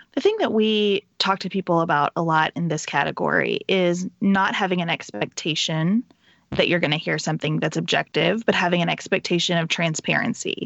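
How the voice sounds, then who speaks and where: At a fairly quick pace, a woman speaks in a fairly low pitch with vocal fry and ordinary pitch variation. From western Kentucky. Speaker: political podcast co-host. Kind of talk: casual chat.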